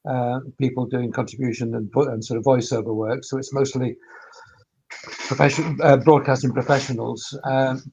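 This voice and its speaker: A man's voice: medium pitch, steady tone, moderate pace, darkish tone, slight background noise, rough recording. A man talking casually as a panelist on a webinar, with hesitant, stop-start phrasing. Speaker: workspace operator and former sound engineer.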